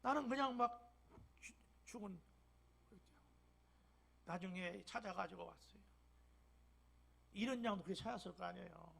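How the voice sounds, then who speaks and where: Gravelly older Korean pastor preaching. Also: male voice, high voice, moderate pace, pauses often. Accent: Jeolla dialect. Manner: emphatic preaching with sudden loud bursts and soft whispered drops. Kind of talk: sermon. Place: church sanctuary.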